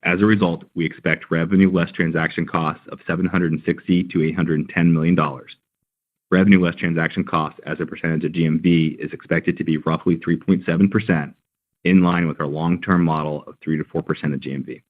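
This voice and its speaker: Deep-voiced man reading financial guidance. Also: steady tone. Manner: formal, measured reading of prepared remarks. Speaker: company finance executive. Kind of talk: scripted financial earnings call presentation. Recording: dull, band-limited conference call audio.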